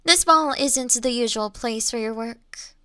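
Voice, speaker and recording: Slow, taunting refined monster lady, acted by a woman. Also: a little high, sharp tone, clear, resonant tone, dry recording, studio quality. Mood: sly, probing. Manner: slow, mocking, teasing, formal old-fashioned diction. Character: taunting, refined female monster toying with her hunter. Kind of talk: scripted Victorian fantasy audio roleplay.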